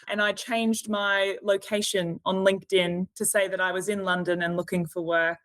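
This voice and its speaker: A woman's voice: mid-range voice, a bit bright, dry recording, poor audio. A woman in her thirties from Australia with an Australian accent, chatting as a podcast guest and hedging often with "sort of" and "you know". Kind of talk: casual interview chat.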